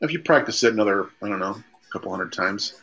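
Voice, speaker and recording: A man's voice: on the low side, lively intonation, fast, a bit bright, breathy edge, dull audio. A man chatting casually as co-host of a comedy podcast.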